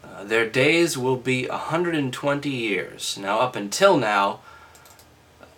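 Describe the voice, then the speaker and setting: A man with a halting, freshly woken delivery, reading aloud casually and breaking off for wry, skeptical commentary. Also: mid-range voice, a bit bright. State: just woke up.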